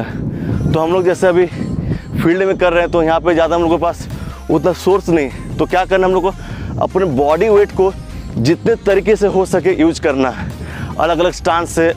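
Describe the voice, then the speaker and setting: A young man coaching a bodyweight chest workout, giving short commands while counting reps, recorded outdoors in an open field. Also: fairly high pitch. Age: young adult. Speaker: fitness coach. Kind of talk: workout instruction.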